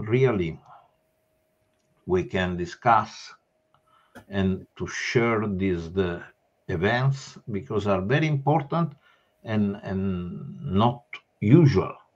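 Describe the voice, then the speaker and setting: Over a quiet background, a man with an Italian accent speaks at a very slow pace in a medium pitch, using lively intonation and long, frequent pauses. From southeast Italy. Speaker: energy engineering executive. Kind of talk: interview. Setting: video call. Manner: halting.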